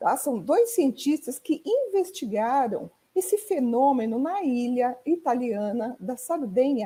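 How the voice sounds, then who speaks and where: A fairly slow pace with very wide pitch swings. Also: woman. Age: 60s. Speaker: journalist. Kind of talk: interview. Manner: halting, repeats words.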